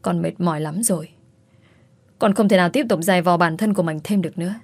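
A woman's voice: fairly low pitch, fast talker, no room sound. A woman voicing an injured, weary young wife in a spoken story. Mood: bitter. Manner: curt, weary.

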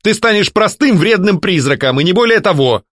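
A man voicing a sharp-tongued young woman who mocks and scolds her ghost ex-husband. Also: on the high side, big pitch swings, moderate pace, dry recording, studio quality, voice pushed up. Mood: stern. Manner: mocking, scolding, ironic. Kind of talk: audiobook character voicing.

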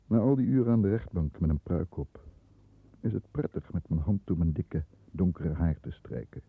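Stern successful lawyer, measured introspective delivery, low voice, dull vintage radio recording, disdainful, middle-aged. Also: male voice, animated, breathy edge, heavily acted. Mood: reflective, severe. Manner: measured, introspective first-person narration. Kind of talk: 1960s radio drama acting. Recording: muffled, roomy old radio recording.

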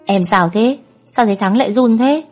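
A woman voicing a protective older brother who talks in a brisk, scolding way, in a storybook reading. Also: mid-range voice, darkish tone, faint music behind, voice pushed up, lightly acted. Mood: puzzled.

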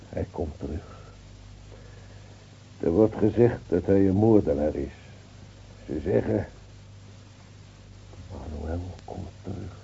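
A man's voice: low voice, gravelly, dark tone, breathy edge, heavily acted. An actor playing a bitter, sardonic village man in a Dutch radio drama, grumbling with weighty sarcasm. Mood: brooding. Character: bitter, sardonic village man at a rural Spanish police post. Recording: muffled, noisy old radio recording.

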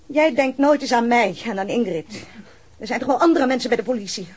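An actress playing an aggrieved, reproachful wife of a police detective in a radio drama, complaining bitterly. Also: female voice, on the high side, expressive, brisk, a little mellow, breathy edge. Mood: indignant, reproachful.

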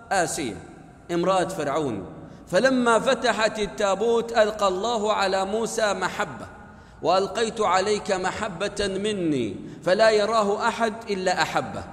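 A man preaching a Friday sermon, telling a story dramatically and voicing the characters' lines. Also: high voice. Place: mosque. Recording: echoey hall, long reverb.

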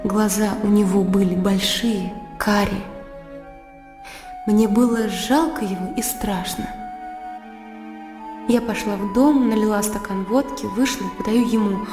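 A woman's voice: mid-range voice, unhurried, long pauses, natural voice. A woman in her early twenties, an actress playing a willful, blunt young lady in a radio play. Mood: recalling. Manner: blunt, impulsive, scornful. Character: spirited, willful young lady, proud and scornful. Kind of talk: radio drama acting. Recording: roomy reverb with music underneath.

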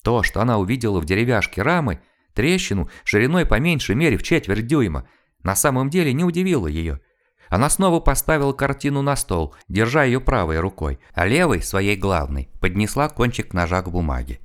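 A man reading a novel aloud as an audiobook narrator, in a measured, expressive storytelling manner. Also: lowish voice. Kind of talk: scripted literary narration.

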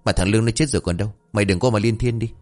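A man's voice: on the low side, a little mellow, faint music behind, natural voice. A man playing a brash rowdy young brother. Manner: wheedling, brash, rapid-fire.

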